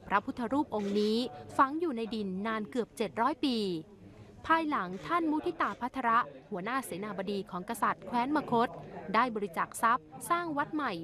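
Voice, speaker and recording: Formal woman news reporter, high voice. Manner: formal, measured reading. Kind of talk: scripted royal news narration.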